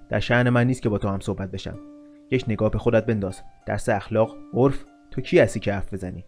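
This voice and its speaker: A man's voice: mid-range voice, darkish tone, natural voice. Man reading as a scornful nobleman. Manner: scornful, pleading, insulting. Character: arrogant, desperate young nobleman in chains.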